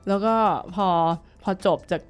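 With soft music in the background, a middle-aged woman violin teacher talks unhurriedly about her past in a casual interview. She's thoughtful, with many fillers and restarts.

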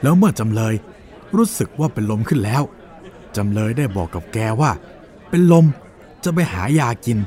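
A man's voice: mid-range voice, sing-song, normal speed, pauses often, crowd noise, close to an everyday voice. A man playing an insistent defence lawyer in a dramatised courtroom story, questioning in a pressing, pointed way. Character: insistent male defence lawyer cross-examining a witness.

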